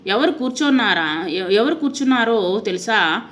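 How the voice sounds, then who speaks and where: A woman's voice: mid-range voice, expressive, moderate pace, natural voice. A woman playing a scornful, jealous stepmother queen. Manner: sharp, scolding.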